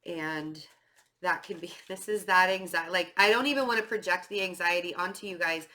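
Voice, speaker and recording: A stuffy, slightly nasal woman talks through a tarot reading in an easy, rambling way, with plenty of ums and likes. Her voice sits a little low but sounds bright and forward. She sounds restless and a bit nervous. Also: normal speed. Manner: chatty, filler-heavy, with many "um" and "like"; self-described nervous and fidgety. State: stuffy nose from a cold. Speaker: tarot reader. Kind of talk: casual spoken tarot reading to camera.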